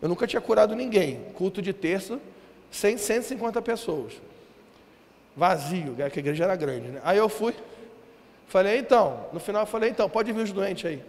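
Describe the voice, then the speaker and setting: A man from Brazil preaching a sermon, telling a story in a lively, slangy way and acting out what people said. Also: sits high, moderate pace. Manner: animated, slangy storytelling with acted-out quotes. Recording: reverberant hall with faint ambience.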